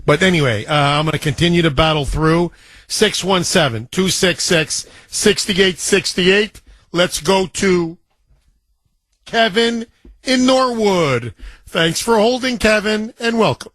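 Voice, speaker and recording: A male talk radio host, congested with a scratchy throat, telling stories in an animated way with sound effects. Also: high-pitched, measured pace, dry recording. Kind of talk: talk radio monologue and caller chat. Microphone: studio microphone.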